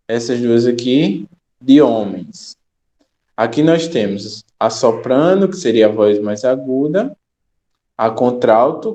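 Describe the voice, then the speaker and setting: Mellow-voiced young man explaining slides. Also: medium pitch. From Brazil. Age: young adult. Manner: explanatory, checks in with "ok?" and "tá?". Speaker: teacher trainer. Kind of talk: recorded online lecture.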